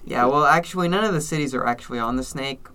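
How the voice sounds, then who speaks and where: This is a young man from Idaho co-hosting a casual podcast. His voice is bright and forward, and he rambles through explanations with a dry, sarcastic bite. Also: mid-range voice, fast talker. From Idaho, United States. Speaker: podcast co-host.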